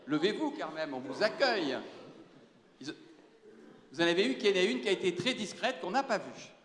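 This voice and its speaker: A man moderating a round table in an animated, joking, teacherly way, on a handheld mic in a large lecture hall. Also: sits high, normal speed. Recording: echoey hall, long reverb.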